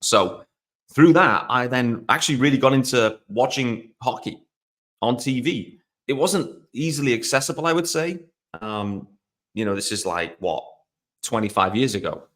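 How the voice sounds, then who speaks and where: A Welsh man in his forties talks through a solo sports podcast in a loose, rambling way. His pitch sits in an ordinary middle range for a man. He drifts between points and teases himself as he goes. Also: expressive, normal speed, a bit bright. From South Wales. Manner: rambling, conversational, self-deprecating. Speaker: podcast host. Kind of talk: casual solo podcast talk.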